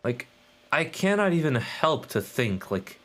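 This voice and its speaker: A man's voice: a little high, big pitch swings, a little slow, a bit bright. Rambling man streaming a video game. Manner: sweary, rambling. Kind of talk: casual live game commentary, reading dialogue aloud.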